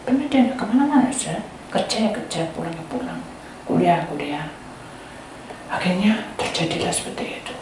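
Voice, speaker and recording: A woman's voice: fairly low pitch, big pitch swings, brisk. A woman pastor preaching a sermon, telling a testimony and speaking often to the congregation. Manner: addresses the congregation often, acts out quoted speech. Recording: very echoey, from far off, faint ambient noise.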